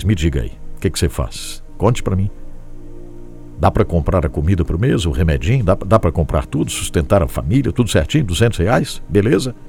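A man's voice: low voice, darkish tone. A man with a Brazilian Portuguese accent, a pastor preaching and appealing for donations in an emphatic storytelling manner with rhetorical questions to his listeners. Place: small home studio room.

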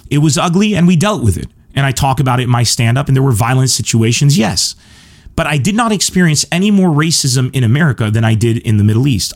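A man's voice: mid-range voice, a little mellow. Emphatic, self-assured male podcast host. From Lebanon. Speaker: podcast host, stand-up comedian. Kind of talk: solo podcast monologue answering listener questions.

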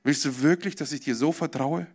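A man's voice: a little high, brisk. A male preacher telling a story in a sermon, vividly, and addressing his listeners directly.

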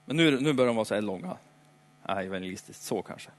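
Male preacher, conversational sermon, playful asides, dramatic slow emphasis, long hall reverb. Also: lowish voice, lively intonation. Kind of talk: lively sermon.

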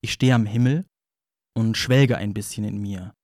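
A man's voice: lowish voice, moderate pace, darkish tone, no echo, clean studio sound, close to an everyday voice. A man playing a wry, wounded narrator who confesses in a rambling, repetitive way, in an audio play monologue. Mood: wry, musing. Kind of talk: audio play monologue, ironic first-person storytelling.

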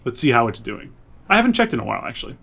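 A man's voice: medium pitch, wildly swooping pitch, very fast, gravelly, sharp tone, a little hiss or hum. A man co-hosting a podcast, chatting casually about movies in short, offhand remarks. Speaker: podcast co-host.

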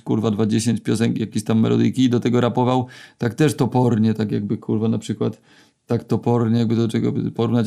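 A man spins loose, rambling real-life anecdotes in a gravelly, dark, mellow voice. He swears nonstop and stumbles through fillers and half-started words, like a storyteller talking off the cuff. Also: mid-range voice. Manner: rambling, swears constantly, many fillers and restarts. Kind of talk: casual spoken anecdotes.

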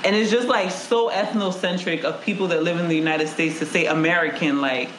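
A woman's voice: lowish voice, a little fast. A woman from Honduras co-hosting a casual chat, frank and laughing as she tells stories and reads comments. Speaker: co-host reading viewer comments. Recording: roomy echo, faint noise.

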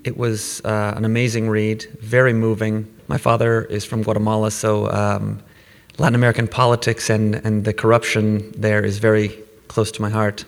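A man's voice: lowish voice, flat delivery, normal speed, vocal fry. A man interviewing an author at a live event, hesitant with many fillers. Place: event hall before a live audience. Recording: live hall reverb.

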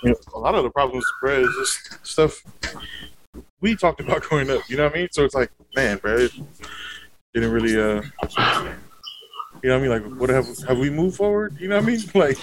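A man's voice: medium pitch, animated, brisk, pauses often, background noise. A man, co-hosting a podcast in a casual, laid-back way that is heavy on "bro" and "like.". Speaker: podcast co-host. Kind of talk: casual chat.

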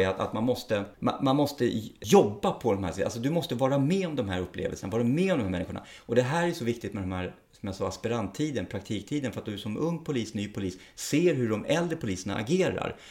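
A man's voice: mid-range voice, darkish tone. A middle-aged man, a police officer, speaking frankly and plainly in an interview, with some swearing. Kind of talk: interview conversation.

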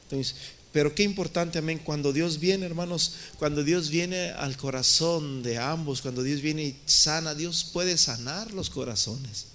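Fairly high-voiced man preaching a sermon. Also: measured pace, a bit bright. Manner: addresses listeners as brothers, rising and falling emphasis. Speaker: pastor. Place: church in the United States.

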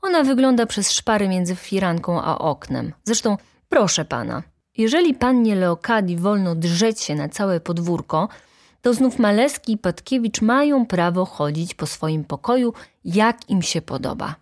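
A woman voicing a hot-tempered, indignant poor young male student who shouts in outrage. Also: mid-range voice, big pitch swings, normal speed.

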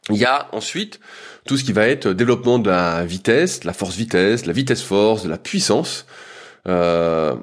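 A man's voice: fairly low pitch, expressive, moderate pace. A man, a strength coach, explaining training in a loose, casual way with frequent hesitations and fillers.

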